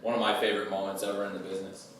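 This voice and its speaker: A man's voice: deep voice, little pitch movement, rapid-fire, a bit bright. Male executive, conversational press conference remarks, very echoey and distant with background noise. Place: press conference room, indoors.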